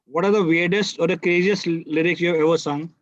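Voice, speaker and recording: A man's voice: on the high side, fairly even intonation, fast, no room sound. A man asking short interview questions, sometimes stumbling over his words. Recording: dull, dry lo-fi audio.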